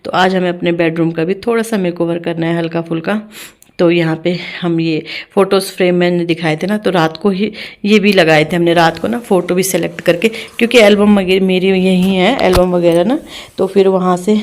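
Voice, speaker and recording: A young woman narrates her home vlog in a chatty, homely way. Her voice sits a little low. She restarts and adds fillers as she goes. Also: steady tone, brisk, a little mellow. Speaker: home vlogger. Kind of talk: casual vlog voice-over narration.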